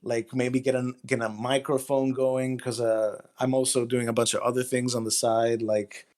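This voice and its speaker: A man speaking as a writer being interviewed, explaining things casually in a halting, thoughtful way. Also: mid-range voice, flat delivery, a little mellow. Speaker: interview guest, fiction writer.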